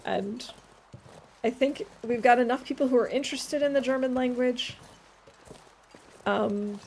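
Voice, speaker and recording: A woman's voice: fairly high pitch, a little mellow, slight background noise. A woman streaming a game in casual chat, answering her chat and laughing often as she talks. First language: English. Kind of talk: casual chat while playing.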